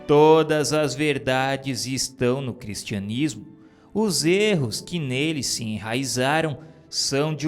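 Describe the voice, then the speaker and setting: A man reading spiritist dictations aloud in a solemn, declamatory style, with slow, emphatic stresses. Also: medium pitch. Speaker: reader of spiritist texts. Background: soft background music.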